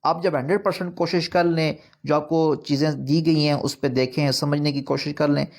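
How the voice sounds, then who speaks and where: A man's voice: on the high side, steady tone, creaky. A man teaching an online recitation course, explaining points earnestly and repeating them with rising emphasis. Urdu is not his first language.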